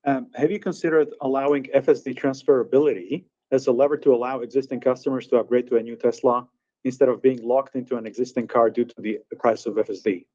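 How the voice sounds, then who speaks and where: A man's voice: mid-range voice, fairly even intonation, quick pace, mellow. A man acting as moderator, reading out investor questions on a conference call with muffled, band-limited sound.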